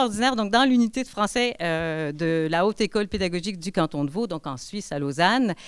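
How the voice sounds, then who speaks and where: A woman's pitch swings very widely as she talks at a moderate pace amid noticeable background noise. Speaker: professor. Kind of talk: conference lecture.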